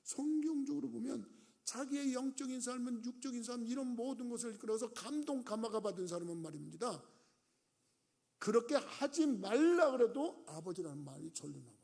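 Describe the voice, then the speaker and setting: A middle-aged man preaches a sermon from the pulpit, his voice pitched high with a gravelly edge. He slips into the voices of people in his stories, swinging up and down as he goes. The sanctuary gives his words a long, ringing reverb. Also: lively intonation, fairly quick, a little mellow. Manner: acts out quoted voices with dramatic rises and dips. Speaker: pastor. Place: church sanctuary.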